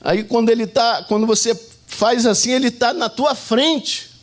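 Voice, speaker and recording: A Brazilian man preaching a Sunday sermon, telling stories and acting out shouts and prayers as he goes. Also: very high-pitched, moderate pace. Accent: Brazilian Portuguese. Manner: animated storytelling, acting out shouts and quoted prayers. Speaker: pastor.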